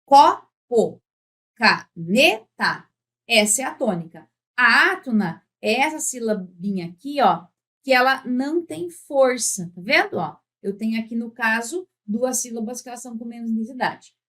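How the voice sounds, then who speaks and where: A woman with a fairly high voice leads a grammar lesson for exam candidates. She stretches out each example word slowly and keeps checking that the listener is following. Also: animated, pushed and bright. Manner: patient, drawn-out words when giving examples; often checks in with "tá?". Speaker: Portuguese teacher.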